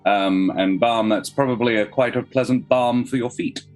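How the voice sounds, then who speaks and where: A man's voice: mid-range voice, fairly even intonation, normal speed, faint music behind. A man with an Australian accent, narrating a tabletop game as its game master. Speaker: game master, podcast member.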